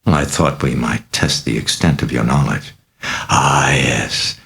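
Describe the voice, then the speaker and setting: A man voicing a calm, probing priest, very deep. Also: a little slow, vocal fry, heavily acted. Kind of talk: audiobook character voice.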